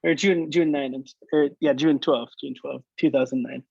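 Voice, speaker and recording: Mid-range and fairly even, his voice has vocal fry, a darkish tone, and a breathy edge, recorded dry with the highs missing. He's a Michigan worship leader in his late thirties chatting casually about his life, stumbling through restarts and fillers.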